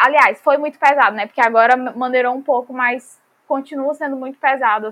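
A woman with a northeastern Brazilian accent speaks at a moderate pace in a high pitch, her intonation fairly even. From Piauí, Brazil. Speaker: podcaster. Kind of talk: casual chat.

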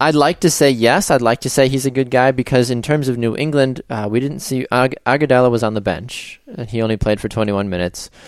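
This man has an American accent and a plain, everyday voice, talking at a fairly quick pace with medium pitch and ordinary pitch variation. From US South, Florida. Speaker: sports radio host. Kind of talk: casual chat. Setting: studio.

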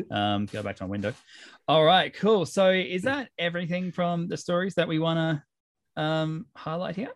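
A man speaks at a moderate pace in a high pitch. His voice makes very wide pitch swings. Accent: Australian. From Perth, south of the river. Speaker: podcast host. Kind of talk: casual chat. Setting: video call. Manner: animated.

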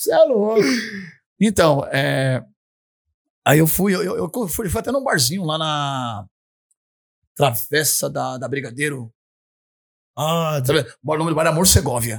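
Vocal fry colors a fairly slow delivery with lively intonation and long, frequent pauses, on a very clean recording with a silent background. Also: man, fairly high pitch for a man. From São Paulo, south zone. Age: 40s. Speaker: samba percussionist. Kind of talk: casual chat.

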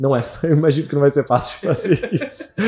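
Ordinary pitch variation and a fairly quick pace in a man's fairly high voice. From Brazil. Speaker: quantitative fund manager. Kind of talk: podcast interview. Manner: hesitant, many fillers.

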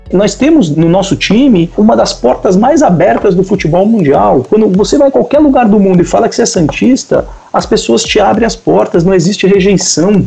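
Over noticeable background noise, a man with a high voice talks at a moderate pace, his pitch swinging very widely while his loudness stays very even. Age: 40s. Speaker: marketing executive. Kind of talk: interview.

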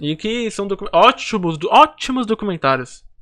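Raised and projected, a man's high-pitched voice moves at a moderate pace with lively intonation. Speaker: podcast host. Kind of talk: casual chat.

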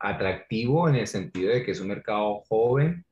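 A somewhat breathy male voice at medium pitch, with lively intonation. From Colombia, Barranquilla and Bogotá. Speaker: musician and producer. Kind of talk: interview. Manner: hesitant.

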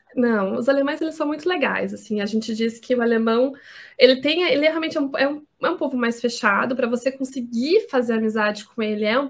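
This woman's voice sits high. She speaks at a fairly quick pace with ordinary pitch variation. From Brazil, Curitiba. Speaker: dentist and parenting educator. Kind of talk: interview.

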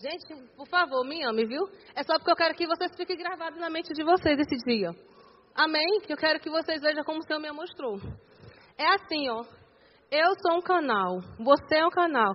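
With extremely high pitch and lively intonation, a woman speaks with long, frequent pauses. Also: moderate pace. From Bahia, Brazil (rural). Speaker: lay preacher. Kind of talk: sermon. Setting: church. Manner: animated.

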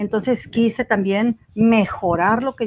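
Somewhat breathy and fairly high-pitched, a woman's voice comes across dry and close with no echo. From Mexico, Sinaloa (rural area near Culiacán). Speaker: education doctor, teacher and author. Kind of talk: interview about her life.

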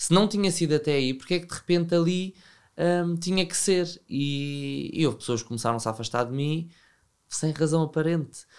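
A fairly high-pitched man with ordinary pitch variation speaks at a fairly quick pace in a very clean recording with a silent background. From Portugal, Salvaterra de Magos (Ribatejo). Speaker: reality TV contestant. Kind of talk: casual chat. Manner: halting.

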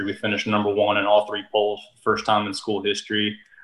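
A man with an American accent speaks in a fairly low voice with monotone, flat intonation. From US South, northwest Alabama. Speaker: college golf coach. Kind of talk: casual interview. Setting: phone call.

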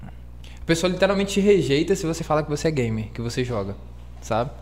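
Audible room echo colors the recording. A man speaks in it at a fairly quick pace. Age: 20s. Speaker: e-sports organization founder. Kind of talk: casual chat.

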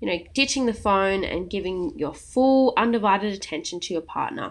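A woman with an Australian accent speaks at a moderate pace in a fairly high voice, her intonation lively against a quiet background. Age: 20s. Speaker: podcast host. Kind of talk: casual chat; reading aloud. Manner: animated.

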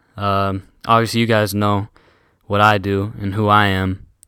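A man with an American accent speaks at a fairly low pitch in a bright, sharp tone, on a very clean recording with a silent background. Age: 20s. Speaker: podcast host. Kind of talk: casual chat.

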